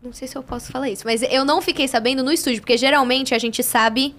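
A woman with a Brazilian Portuguese accent, a voice actress who is the guest in a casual podcast interview. She tells stories in a lively way and acts out what other people said. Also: high voice, fast talker.

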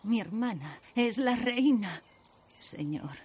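A woman's voice: a little high, animated, slow, darkish tone, husky, heavily acted. An actress dubbing a lonely old woman who pleads insistently to be made young again. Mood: begging. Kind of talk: film dub.

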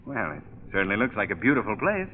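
An urbane young gentleman in a 1930s-style radio thriller. His middle-pitched voice moves freely, wry and inquisitive. The recording is thin, with faint noise behind. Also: big pitch swings, quick pace, in a large hall. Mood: curious, polite. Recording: tinny old radio, faint background noise.

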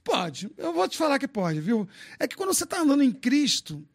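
Man in his fifties, high voice, casual podcast chat, joking, swearing, frank. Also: huge pitch swings, fairly quick, creaky. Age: 50s. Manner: loose, joking, swears freely, frank testimony.

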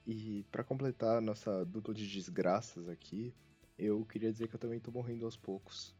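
The Brazilian podcast host speaks at a normal speed in a husky, dark voice that leans low. His talk is casual, humorous anime chat with a wry, self-mocking edge. The audio is dull lo-fi with music behind it.

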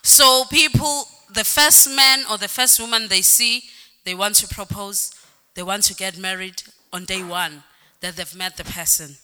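A woman's voice: medium pitch, unhurried, bright, forceful tone, smooth. A woman preaching a sermon in a church hall, stressing points by repeating words and calling out "Amen". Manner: sings some phrases, varies pace. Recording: reverberant hall with faint music.

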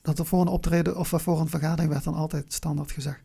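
An interview guest from Venlo, Limburg, in the Netherlands speaks with a southern Dutch accent and a soft, mellow, husky timbre marked by a noticeable creaky crackle. The mid-range voice holds a steady tone as they reflect on questions, frequently pausing and repeating words while searching for the right phrasing.

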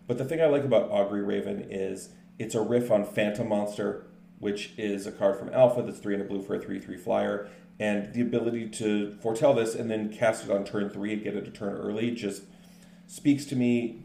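Male podcast co-host, low and gravelly, mellow tone, roomy echo, relaxed explainer. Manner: relaxed, explanatory, says card names in quick lists. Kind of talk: casual chat about card games. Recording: echoey room with faint noise.

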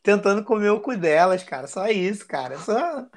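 A man's voice: sits high, very animated, normal speed. A man, a podcast guest talking in a crude, slangy, boisterous way. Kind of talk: casual chat.

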